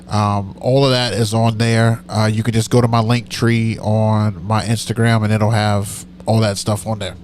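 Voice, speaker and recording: A middle-aged DJ with a nasal voice hosts a live stream, rambling casually and correcting himself as he answers comments. His voice sits fairly low, and there's a slight hiss or hum in the recording.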